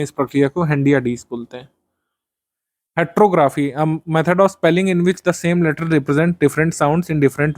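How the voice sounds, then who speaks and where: A male teacher with a slightly high-pitched voice runs an exam-prep vocabulary class. He reads definitions slowly. He then explains them in Hindi, with frequent "uh" fillers.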